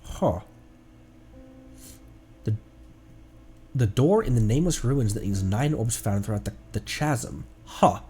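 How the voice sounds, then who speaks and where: A man's voice: mid-range voice, animated, slow, long pauses, mellow. A man livestreaming a game with casual, jokey commentary, reading bits of dialogue aloud. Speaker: streamer.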